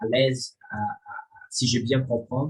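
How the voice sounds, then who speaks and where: A man with a non-native accent speaks in a somewhat breathy voice with monotone, flat intonation. The background is quiet. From abroad, not a French-speaking country. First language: not French (speaking French). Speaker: student project participant. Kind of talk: group debrief interview. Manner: halting, many fillers and repetitions. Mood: reflective, slightly unsure. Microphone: video call.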